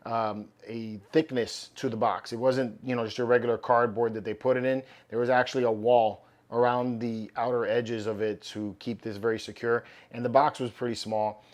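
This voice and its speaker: Guy doing a casual unboxing vlog, bit hoarse, upbeat and chatty, mid pitch. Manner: upbeat, loose and chatty with fillers. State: losing his voice, slightly hoarse. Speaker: collectibles channel host.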